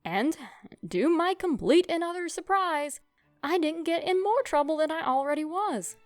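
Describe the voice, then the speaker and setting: A young woman narrating a comic childhood story in a wry, self-mocking, expressive way. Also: extremely high pitch, moderate pace, no room sound, faint music behind.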